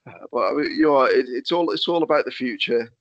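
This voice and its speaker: A man's voice: mid-range voice, quick pace, a bit bright, no echo. A man with a slight lisp hosting a podcast, asking rambling questions full of fillers. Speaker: podcast host. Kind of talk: casual chat. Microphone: remote call. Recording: dull lo-fi call audio.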